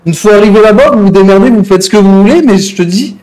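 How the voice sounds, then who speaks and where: A man's voice: high voice, fast talker, a little mellow, natural voice, rough recording. A man playing an aggrieved, crude, threatening hostage-taker out for revenge in an improvised online game roleplay, swearing and repeating his verbal tics. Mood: menacing. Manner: verbal tic-laden, crude, ranting, swearing.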